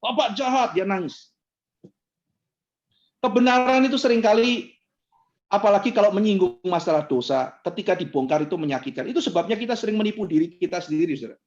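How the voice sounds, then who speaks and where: High-voiced man preaching casually. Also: a little fast, pauses often, darkish tone, highs cut off. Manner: casual preaching, frequent tag questions. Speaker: pastor. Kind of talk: conversational sermon.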